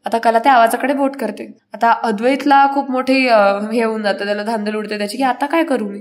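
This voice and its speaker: A woman narrating a casual recap of a TV serial episode, chatty and linking each quote with "then she says". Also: a little high.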